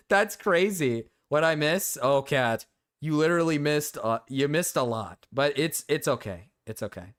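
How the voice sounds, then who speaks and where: A man's voice: fairly high pitch, animated, unhurried, fairly bright tone. A man livestreaming in a casual, joking chat with viewers, often repeating his own phrases.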